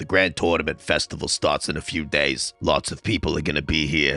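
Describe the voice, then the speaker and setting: Putting on a character voice, a man speaks raspy and very deep, at a fairly quick pace with fairly even intonation. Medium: read story. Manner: curt, irritated.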